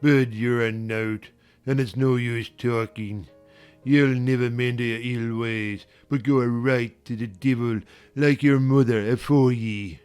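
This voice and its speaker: A man's voice: medium pitch, steady tone, slow, a little mellow, smooth, soft background music, lightly acted. A man doing a cracked old servant. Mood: scolding. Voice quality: cracked, grating. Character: cantankerous old male servant, scolding.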